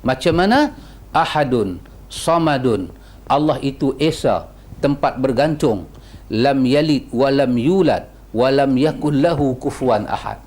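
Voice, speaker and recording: A man giving a religious lecture. He reads Arabic quotes slowly, then explains them with high, emphatic repetitions. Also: lively intonation, darkish tone.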